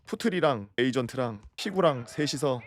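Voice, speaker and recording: A young man casually telling a story in an animated way, acting out the people he quotes. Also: medium pitch, brisk. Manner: animated, acts out quoted lines with swearing. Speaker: storyteller streamer.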